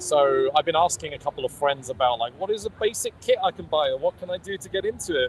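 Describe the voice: A man with a British accent, a fairly high pitch and lively intonation, at a very fast pace over noticeable background noise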